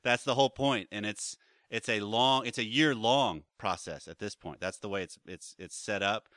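Smooth, bright-voiced male co-host. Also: fairly low pitch, normal speed, no room sound, clean studio sound. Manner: relaxed, affirming back-channel replies. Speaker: podcast co-host. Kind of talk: casual chat.

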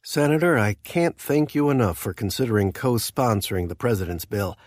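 An actor playing a nervous, deadpan presidential aide who tells his story with dry quips in a comic radio play. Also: medium pitch, fairly quick, dry recording, lightly acted.

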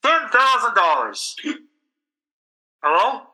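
An actor playing a brisk, genial senior board member in radio comedy. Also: male voice, sits high, big pitch swings, pushed and bright, heavily acted. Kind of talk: old-time radio comedy acting.

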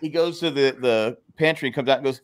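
A man's voice: mid-range voice, fast talker. An older man co-hosting a casual podcast, telling rambling stories with lots of stammered restarts. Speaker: podcast co-host. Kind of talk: casual chat.

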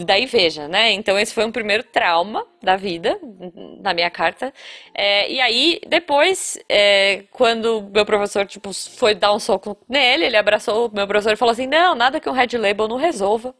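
A Brazilian woman from the São Paulo area, hosting a casual podcast chat and telling a story with lively acted-out quotes. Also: medium pitch, moderate pace. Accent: Brazilian Portuguese, São Paulo area. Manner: animated storyteller acting out quotes. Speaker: podcast host.

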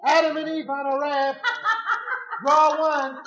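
Wisecracking diner counterman, high bright voice, roomy old radio sound. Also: flat delivery, slow, full character voice. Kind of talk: 1940s radio acting. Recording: muffled old radio recording.

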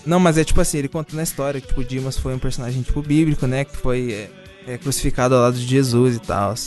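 A man's voice: mid-range voice, fairly even intonation, fast, a little mellow, soft background music. A young man with a Brazilian accent chatting casually and slangily as a podcast co-host. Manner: slangy, informal.

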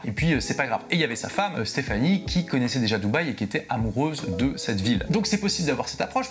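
A man presenting an advice video, speaking informally and directly to the viewer, stressing key points by repeating words. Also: medium pitch. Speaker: presenter, online business adviser.

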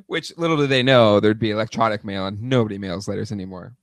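A man's voice: fairly low pitch, fast, no echo, studio quality. A man co-hosting a casual podcast, trading jokes and teasing banter. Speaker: podcast co-host. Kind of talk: casual chat.

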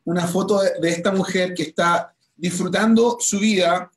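A man's voice: high-pitched, fairly even intonation, moderate pace. A man hosting an enthusiastic promotional interview, talking with frequent restarts and repeated words. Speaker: host. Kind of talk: livestream interview chat.

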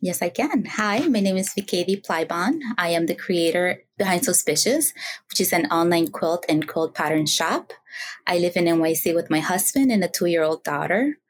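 A woman's voice: fairly low pitch, normal speed. A woman in her thirties from the Dominican Republic, a podcast guest chatting casually and telling stories with fillers and easy laughs. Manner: relaxed storytelling with fillers and laughs. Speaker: podcast guest, quilter and teacher. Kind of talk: casual interview chat.

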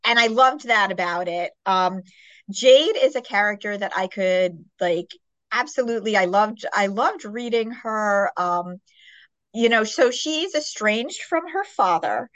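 Peppy woman podcast host, gushing book chat, mid pitch, really dry close sound. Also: animated, unhurried, fairly bright tone, dry recording, muffled recording. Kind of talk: casual book chat interview.

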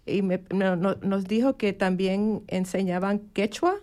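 Radio host woman, friendly conversational manner, studio mic, mid pitch. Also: fairly even intonation, unhurried, mellow. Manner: friendly, conversational, some restarts. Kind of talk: live radio interview. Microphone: studio microphone.

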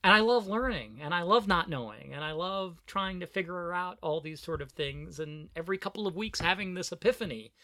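A middle-aged trans woman talks through her life on a podcast, her voice bright and forward. She is reflective but animated, often breaking into laughter. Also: lowish voice, brisk, hardly any pauses, no room sound, clean studio sound. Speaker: podcast co-host. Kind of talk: casual conversation.

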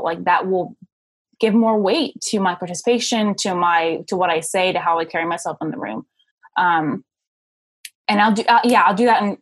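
A woman's voice: on the low side, breathy edge. A young woman talking casually as an interviewee, in a hesitant, circling conversational way. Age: young adult. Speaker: interviewee, ordained minister.

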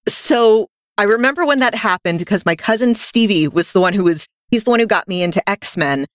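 A woman co-hosting a podcast in casual chat, chatty and full of quick asides. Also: mid-range voice, expressive, dry recording. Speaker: podcast co-host.

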